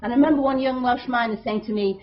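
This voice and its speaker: A woman's voice: on the high side, quick pace. A woman activist giving a public talk to an audience, speaking earnestly and emphatically, with many restarts. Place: meeting hall. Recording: dull lo-fi talk recording.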